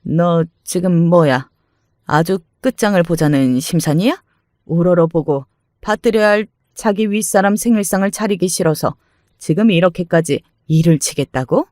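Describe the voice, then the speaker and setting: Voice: medium pitch, normal speed, dry recording, natural voice. Domineering mother-in-law, middle-aged woman, acted by a story narrator: scolding, indignant, full of threats, dry close sound. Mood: outraged. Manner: scolding, sharp rhetorical demands.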